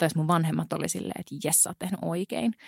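An unremarkable speaking voice comes at a moderate pace, in a dry, close sound with no echo, on a very clean recording with a silent background. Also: woman. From Finland, Helsinki. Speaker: podcast host and influencer. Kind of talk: casual interview.

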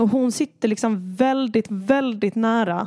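Fairly high female voice, its pitch varying in an ordinary way. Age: 20s. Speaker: podcast co-host. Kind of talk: casual chat.

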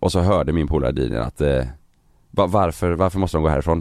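On a very clean recording with a silent background, the speaker sounds animated, with vocal fry, lively intonation and a fairly quick pace. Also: man. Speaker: podcast co-host. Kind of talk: casual chat. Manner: animated storytelling.

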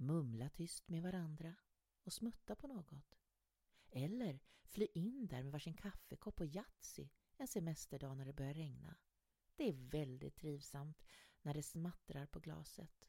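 A woman speaks in a very deep, low register with a dark, mellow, somewhat breathy tone, lively intonation and a fairly slow pace. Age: 50s. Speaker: podcaster and short story author. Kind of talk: personal reflective monologue.

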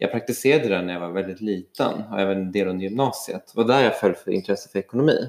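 Very fast speech from a fairly low-pitched man, hardly any pauses, ordinary pitch variation. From Sweden, Stockholm area (Värmdö). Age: 20s. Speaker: guest, system operator. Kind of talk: casual chat.

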